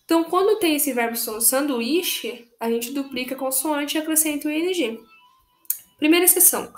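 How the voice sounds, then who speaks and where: A woman's voice: high voice, normal speed, echoey room. A young Brazilian woman teaching an online English grammar lesson, patiently repeating rules and spelling out letters. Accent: Brazilian Portuguese.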